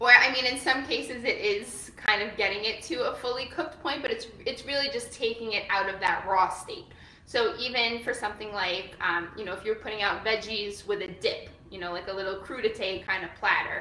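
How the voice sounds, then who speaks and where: Audible room echo surrounds a woman speaking at a fairly quick pace with ordinary pitch variation. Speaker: cooking instructor. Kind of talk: tutorial. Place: kitchen. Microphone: camera far.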